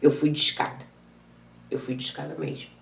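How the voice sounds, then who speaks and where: Gravelly woman telling a story. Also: sits low, fairly even intonation, a little fast, echoey room, recorded from a distance, a little hiss or hum. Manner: emotional, repetitive retelling with quoted dialogue. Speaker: channel host. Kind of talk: personal storytelling.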